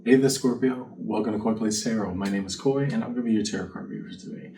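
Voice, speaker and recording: Low, mellow male tarot reader, slightly distant. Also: fast talker. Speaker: tarot card reader and channel host. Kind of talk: casual tarot reading addressed to the viewer. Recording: distant mic with faint background noise.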